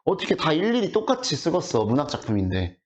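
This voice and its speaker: A man teaching high school literature in an online lecture, talking casually and asking his students rhetorical questions. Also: wildly swooping pitch, fast. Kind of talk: online exam explanation lecture. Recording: dull lo-fi audio.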